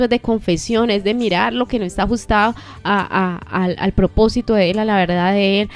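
A woman co-hosting a Christian talk program, explaining a faith lesson in a measured, earnest way, full of rhetorical questions and small restarts. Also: mid-range voice. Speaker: co-host of a Christian teaching program. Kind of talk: reflective faith teaching in conversation.

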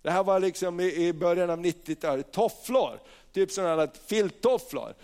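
A middle-aged man preaching a sermon, telling stories with animated acted-out voices and frequent hallelujahs. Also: high voice, clean tone.

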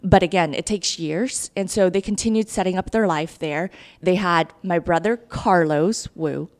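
A woman's voice: lowish voice, moderate pace. A woman, raised in Kansas, telling her story in an upbeat, earnest way as a podcast guest. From Guatemala. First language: Spanish. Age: 30s. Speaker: mayoral candidate, podcast guest. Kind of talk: podcast interview.

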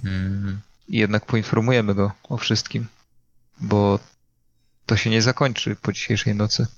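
A man playing a tabletop role-playing game, speaking casually and hesitantly as he deliberates, on a dull lo-fi microphone. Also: lowish voice, little pitch movement, no echo.

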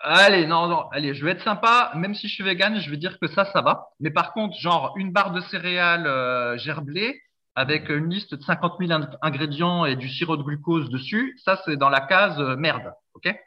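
A man's voice: a little high, moderate pace. Hesitant, rambling man on a podcast. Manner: rambling, frequent hesitations and restarts. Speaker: podcast co-host. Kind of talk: casual podcast chat. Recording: dull lo-fi sound.

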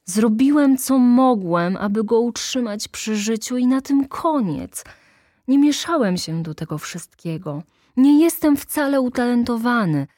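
A woman puts on a desperate young man whose voice rises sharply and breaks into pleading. He speaks slowly in a dry, close, unechoing sound. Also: expressive, a little mellow, no echo. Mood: anguished. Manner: breathless, pitch climbing with distress. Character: young male devotee, frantic and pleading.

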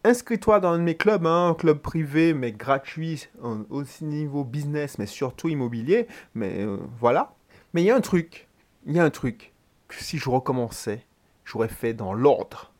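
A man's voice: fairly high pitch, expressive, moderate pace, a little mellow. A man hosting a solo motivational podcast, speaking directly and informally to the listener, emphatic and often restarting his sentences. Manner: emphatic, pushing the listener to act. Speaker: podcast host.

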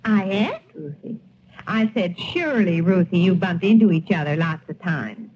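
A woman's voice: fairly low pitch, expressive, normal speed, lightly acted. A woman playing a chatty, easily amazed small-town housewife in a 1940s radio play, with folksy speech. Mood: gossipy. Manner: gossipy, folksy exclamations. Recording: dull, hissy vintage radio recording.

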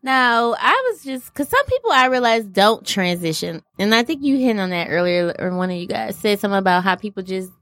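A woman's voice: medium pitch, big pitch swings, a little fast, few pauses, fairly bright tone, no echo. A woman in her thirties hosting a casual group chat, easygoing, laughing often and steering the topic. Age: 30s. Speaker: podcast host.

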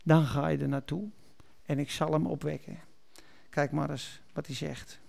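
A man's voice: on the high side, flat delivery, moderate pace, vocal fry, a little mellow. A man preaching, reading Bible verses aloud and explaining them, correcting small slips as he goes. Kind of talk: sermon reading and explaining scripture.

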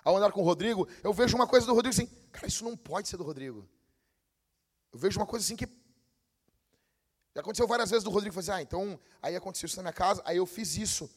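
A male pastor, preaching a fiery, slangy sermon that swings from shouts to hushed asides. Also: high-pitched, rapid-fire. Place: church hall. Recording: long church reverb.

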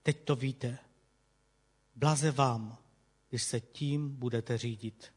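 A man reading the words of Jesus, a calm grown man teaching his disciples, in a measured, solemn way. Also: medium pitch, pitched below the performer's own voice, close to an everyday voice.

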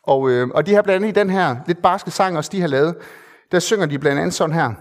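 A male preacher delivers a sermon in a fairly high voice. He speaks earnestly and conversationally, pausing on fillers and repeating phrases to stress his point.

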